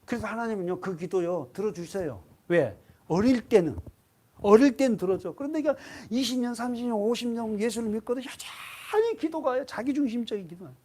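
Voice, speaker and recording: A man's voice: high-pitched, expressive, a little fast, warm tone. A man pastor preaching a sermon in a church, emphatic and full of rhetorical questions to the congregation. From South Korea. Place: church sanctuary.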